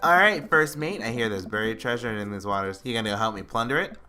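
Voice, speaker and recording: A man doing a loud chummy bro dad. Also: medium pitch, quick pace, natural voice. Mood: gung-ho. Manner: loud, bro-ish, exclamatory. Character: hearty upbeat dad rival, loud and chummy. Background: background music.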